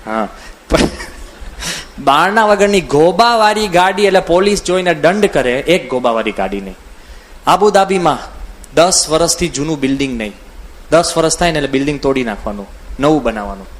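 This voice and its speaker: Male swami, storytelling sermon, somewhat high-pitched, animated anecdotal delivery. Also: normal speed, pauses often. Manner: lively anecdotal, acts out quoted voices. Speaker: swami giving a religious discourse. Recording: audio from a CD recording.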